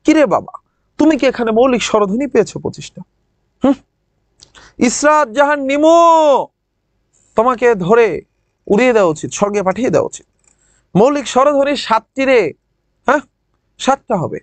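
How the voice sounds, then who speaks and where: A man gives an online class lecture in a high, very lively voice that swoops up and down. He teases and calls out to his students by name. The sound is dry and close. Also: fairly quick, long pauses, no echo. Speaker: teacher.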